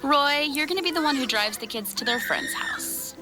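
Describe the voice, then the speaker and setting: An actress playing a young homebody wife, casual and a little reluctant, in a naturalistic comedy audio drama. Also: female voice, high voice, animated, normal speed, over music. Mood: reminding. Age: young adult. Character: Ellen, homebody young wife who prefers knitting in shade.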